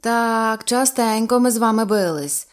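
A woman's voice: a little high, measured pace, pitched above the performer's own voice, lightly acted. A woman voicing a polite, nostalgic businessman. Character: middle-aged male businessman, nostalgic and polite.

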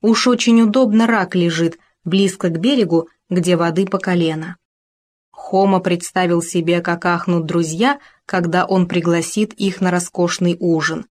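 A woman narrating a children's story in a lively, expressive reading voice. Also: fairly low pitch, normal speed.

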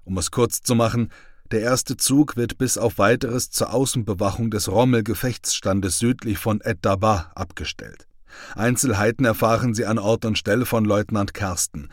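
A man's voice: fairly low pitch, normal speed, no echo, clean studio sound, lightly acted. A man voicing a stern company commander. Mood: commanding. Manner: formal, clipped commands.

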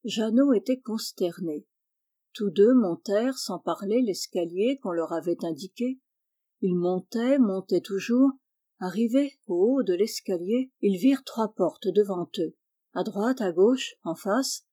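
A woman narrating a classic storybook in a calm, measured way. Her voice is mellow and dark-toned, at a medium pitch for a woman. It is a plain audiobook reading. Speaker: audiobook reader.

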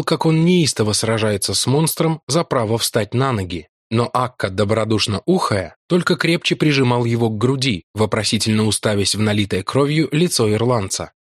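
A man reading a novel aloud in measured, expressive scripted narration. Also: medium pitch, no room sound, studio quality. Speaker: audiobook reader.

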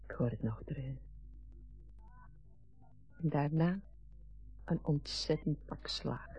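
Husky, low-voiced grown daughter. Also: female voice, slow pace, dark tone, full character voice. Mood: wistful, hurt. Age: adult. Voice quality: husky, breathy. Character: wistful, reproachful grown daughter. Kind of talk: naturalistic radio drama acting. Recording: dull lo-fi radio recording with music.

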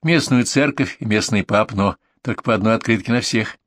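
A man reading a story aloud in a measured, even way. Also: on the low side, no room sound. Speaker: audiobook narrator. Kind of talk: scripted narration.

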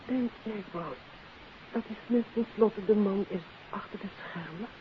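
An actress playing a detective's inquisitive, gently teasing wife in a 1950s Dutch radio drama. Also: female voice, mid-range voice, measured pace, lightly acted. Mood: curious, affectionate. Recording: hissy, muffled old radio recording.

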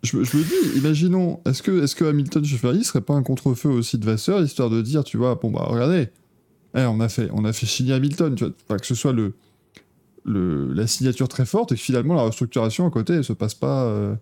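Fast-talking, mellow-voiced man host. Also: mid-range voice, expressive. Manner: joking, rapid, loose. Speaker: podcast host. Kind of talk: casual chat, wrapping up the show.

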